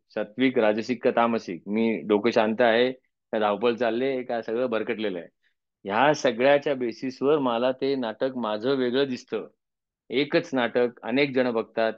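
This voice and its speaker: A man teaching Sanskrit chanting, explaining verses conversationally with homely examples and reciting slowly. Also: medium pitch, no echo, lo-fi sound. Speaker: teacher of Vishnu Sahasranama chanting. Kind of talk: spiritual lesson with chanted verses.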